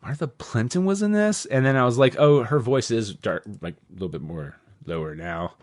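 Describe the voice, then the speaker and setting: A man in the middle of his range talks loosely and at length, circling back on himself with lots of "like" and a casual curse here and there. The sound is close and dry, with no room around it. He is a podcast host thinking out loud. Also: mid-range voice, lively intonation, normal speed, no echo. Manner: rambling, peppered with "like" and swearing.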